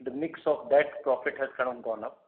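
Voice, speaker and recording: A man, a finance executive, giving unscripted earnings call answers in a halting, piece by piece way. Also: medium pitch. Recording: narrow phone conference line.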